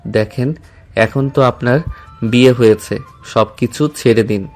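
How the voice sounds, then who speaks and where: A man's voice: mid-range voice, fairly even intonation, a little slow, a little mellow, lightly acted. A man playing an anxious young husband who worries and pleads in a dramatized love story. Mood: reproachful, pleading. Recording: music under the voice.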